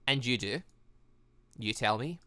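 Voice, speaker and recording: Visual novel villainess put on by a game commentator: low, haughty, teasing, seductive, dry close sound. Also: expressive, sharp tone, no echo. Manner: haughty, slow-burning, teasing.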